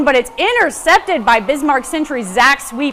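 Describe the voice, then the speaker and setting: Noticeable background noise surrounds a woman talking. She keeps a moderate pace with lively intonation. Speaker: sports reporter and anchor. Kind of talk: live sports play-by-play commentary.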